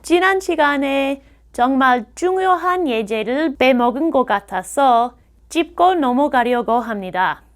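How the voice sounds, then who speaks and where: A middle-aged American woman whose first language is English, teaching grammar on a video lesson and drilling words slowly and carefully. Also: high voice, expressive, soft background music. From United States.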